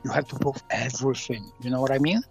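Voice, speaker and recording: A man's voice: medium pitch, fast, creaky, breathy edge, soft background music. A man with a Polish accent, a native Polish speaker, bantering with friends, insistent, repetitive and swearing a lot. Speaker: friend in a group chat. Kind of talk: casual banter among friends.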